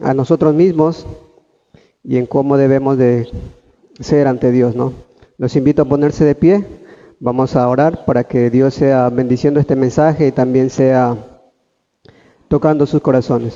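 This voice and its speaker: Soft-spoken, a man at a medium pitch talks at a fairly slow pace with long, frequent pauses, fairly even intonation and very even loudness. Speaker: lay preacher. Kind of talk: sermon. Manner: hesitant with fillers.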